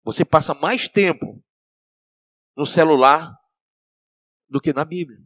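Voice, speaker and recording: A male pastor with a Brazilian accent preaching a sermon, asking the congregation questions and swinging between soft and loud. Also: a little high, slow pace, no room sound. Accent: Brazilian Portuguese.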